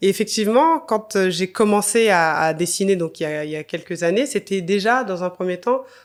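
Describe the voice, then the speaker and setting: A woman at a medium pitch speaks at a moderate pace with lively intonation, on a very clean recording with a silent background. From France, Paris. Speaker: illustrator. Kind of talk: podcast interview. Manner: halting.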